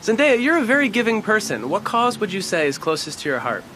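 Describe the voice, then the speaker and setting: A man interviewing someone outdoors at a home garden, upbeat and quick in his questioning. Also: high voice, big pitch swings, bright, forceful tone, slight background noise. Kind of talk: rapid-fire interview questions.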